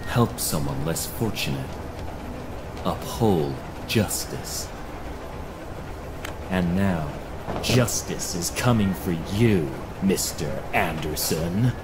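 Game avenger, male actor: American, deep, slow, brooding menace with noisy ambience. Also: expressive. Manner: brooding, deliberate. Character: grave, vengeful avenger narrating his creed. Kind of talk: dramatic game narration.

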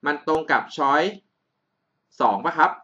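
A man's voice: on the high side, measured pace, bright, forceful tone, muffled recording. A man tutoring math over a screen recording, explaining each step patiently and checking that the listener follows.

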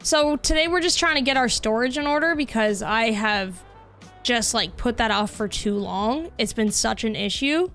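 Young woman game streamer: upbeat, rambling casual chat, a touch high-pitched. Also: animated, moderate pace, fairly bright tone, faint music behind. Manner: bubbly, chatty, many filler "like"s.

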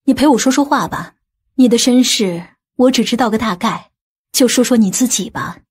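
Woman acting an inquisitive aunt, high and husky. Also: normal speed, a little mellow. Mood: tired, confiding. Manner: direct, questioning. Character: inquisitive, sleepless aunt in family crime novel.

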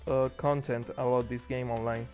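A man's voice: medium pitch, level tone, normal speed, a little mellow, faint music behind. A man giving casual, sarcastic let's play commentary with some swearing. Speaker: gamer, let's play host.

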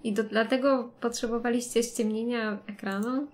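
A woman's voice: on the high side, steady tone, normal speed. A woman streaming a game live, chatting and greeting viewers and laughing often. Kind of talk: live let's-play commentary.

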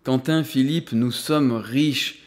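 Un vieux patriarche fortuné, exalté et malicieux, lu par un homme, parle avec emphase et fermeté. Sa voix, d'une hauteur moyenne, résonne dans une longue réverbération de salle. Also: male voice, mid-range voice, normal speed, darkish tone, natural voice. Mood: enthusiastic. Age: older. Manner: enthusiastic, emphatic, playful. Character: exuberant elderly rich grandfather, suddenly generous. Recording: long hall reverb.

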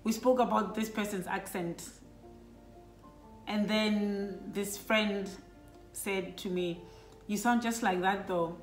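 Taking it slowly and pausing often, a middle-aged vlogger from Lesotho speaks in a steady, mid-range voice as she tells her children a personal story. It's a casual, reflective family conversation with lots of fillers. The audio has roomy echo and faint background music.

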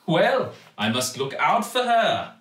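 A man voicing a cheerful, flattering male shopkeeper who talks in an effusive, overly polite way. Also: on the high side, slow, pitched above the performer's own voice, heavily acted. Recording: echoey, distant mic.

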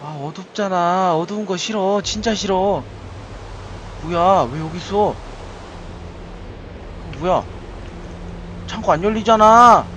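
A man's voice: sits high, takes it slowly, pauses often, a bit bright, highs cut off, a little hiss or hum. A man giving jumpy, frightened let's-play commentary as he streams a game, pleading and muttering curses under his breath.

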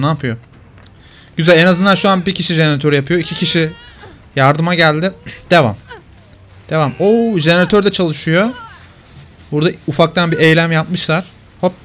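A man's voice: a little high, a bit bright, slight background noise. A man commenting live on his own gameplay, teasing the players he hunts.

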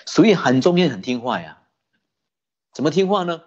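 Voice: medium pitch, sing-song, moderate pace, darkish tone. A Buddhist teacher giving a sermon, telling a story with many rhetorical questions. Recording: dull lo-fi recording.

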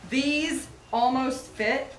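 A woman's voice: high voice, extremely slow, slight background noise. A woman chatting casually as she works on a build, as a homestead vlogger. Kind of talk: casual chat while building. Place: large open metal barn workshop. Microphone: camera a few steps away. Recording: echoey barn, loud tool clatter.

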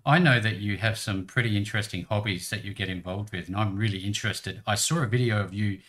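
Upbeat Australian podcast host. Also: male voice, on the low side, quick pace, a bit bright. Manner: polished, upbeat announcer delivery. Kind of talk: radio-style show host.

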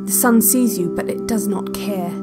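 A woman playing a calm, eerie instructor on a relaxation cassette in an audio drama, giving measured, hushed guided-meditation narration. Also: mid-range voice, close to an everyday voice. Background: music.

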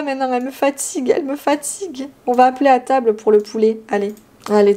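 Femme bavarde qui pousse des cris aigus. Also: female voice. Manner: chatty and giggly, with excited high squeals. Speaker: gaming YouTuber. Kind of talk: casual Let's Play commentary.

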